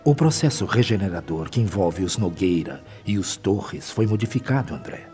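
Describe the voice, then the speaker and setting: An actor with a Brazilian accent playing a wise, gentle male spirit mentor in a radio drama, speaking in a measured, solemn, didactic way. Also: low voice, animated. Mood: solemn, caring. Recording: long reverb, music behind.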